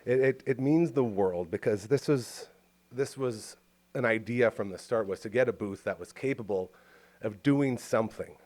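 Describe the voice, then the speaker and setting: A man's voice: fairly low pitch, normal speed, a little mellow. A man with a Canadian accent hosting a podcast in a small home studio booth, talking in a rambling, enthusiastic, jokey way. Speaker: podcast host. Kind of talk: casual interview chat.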